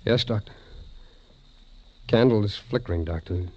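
An actor playing a doctor's haunted, hesitant associate in a 1940s radio drama. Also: male voice, on the low side, normal speed, breathy edge. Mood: tense, halting. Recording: muffled vintage 1940s radio recording.

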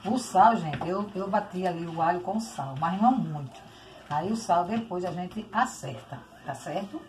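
A woman's voice: fairly low pitch, expressive, moderate pace, darkish tone. An older Brazilian woman in her sixties chattily demonstrating home cooking, often addressing her viewers directly. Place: home kitchen, indoors. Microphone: phone on tripod, short distance. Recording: noisy kitchen with clattering dishes.

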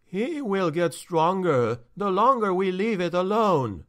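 A man's voice: high-pitched, sing-song, fairly bright tone, voice pushed up, exaggerated voice. A man putting on a shaky, fretful steward. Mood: agitated. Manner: shaky, agitated, slow and pleading. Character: anxious middle-aged male steward, fretful and pleading.

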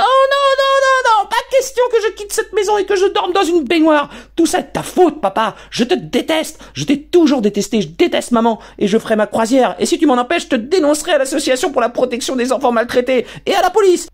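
A man's voice: very high-pitched, a little mellow, voice pushed up, full character voice. A man reading aloud, voicing a spoiled girl of about twelve who shrieks and wails in a tantrum. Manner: screaming, wailing, hysterical.

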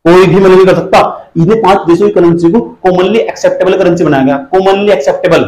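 A man's voice: high voice, steady tone, fast, a little mellow, reverberant, low-quality recording. A man teaching an exam-prep lecture, repeating points again and again, quizzing and scolding his students. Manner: repetitive drilling, asks students questions.

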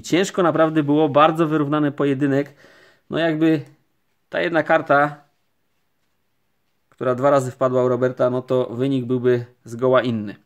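Male vlogger, slightly high voice, slow and steady, counting through cards at a table. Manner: calm, unhurried, naming each card. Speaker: card collecting vlogger. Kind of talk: casual pack-opening commentary. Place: indoors at a table, camera overhead on hands.

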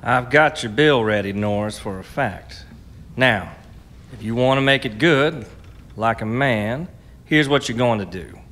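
Radio play supporting role: male actor as a wary frontier merchant, curt, commanding, medium pitch. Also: measured pace, fairly bright tone, natural voice. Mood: wary, stern. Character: stern, wary frontier storekeeper. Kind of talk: radio drama acting.

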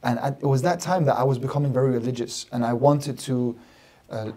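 Man in his thirties, warm dark tone, emphatic guest on a studio podcast. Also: mid-range voice, fairly even intonation, a little fast, slightly rough. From London, England. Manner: emphatic, repeats phrases in lists. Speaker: guest religious scholar. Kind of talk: podcast interview, earnest explanation. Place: small studio set with plants. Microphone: desk mic on stand.

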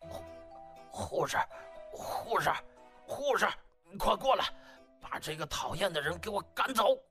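A man plays an injured older hospital boss in a comic audiobook. He speaks in labored, halting bursts, indignant and bossy, over faint music. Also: high-pitched, big pitch swings, sharp tone, heavily acted. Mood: strained, angry. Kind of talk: comic audiobook character acting.

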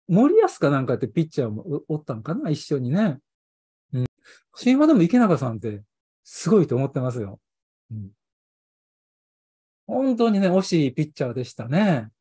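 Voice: medium pitch, mellow, breathy edge, dry recording, studio quality. A history channel host with a Kansai accent, chatting casually on a livestream, rambling and chuckling often.

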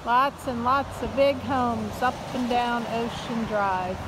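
A woman's voice: a little high, slow pace. An older woman narrating a casual travel vlog outdoors by a harbor, chatty and full of wonder, recorded on a phone with heavy wind noise. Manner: chatty, wonder-filled, reads signs aloud. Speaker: vlogger. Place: windy seaside harbor outdoors. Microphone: phone held by filmer. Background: strong wind and waves.

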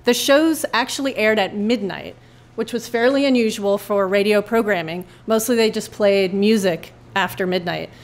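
A woman's voice: mid-range voice, normal speed. A woman hosting and narrating a radio drama podcast, reading scripted introductions live in a club. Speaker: host and writer.

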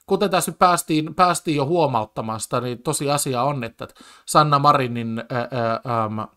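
Male commentator, ordinary mid pitch, stammering and agitated, reacting casually. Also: bright, forceful tone. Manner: agitated, full of stammered restarts and fillers. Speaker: commentator reacting to a TV debate clip.

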